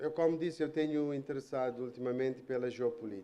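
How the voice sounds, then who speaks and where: At a moderate pace, a man talks in a dark, mellow tone with a medium pitch and ordinary pitch variation. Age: 40s. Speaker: writer. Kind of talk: panel discussion.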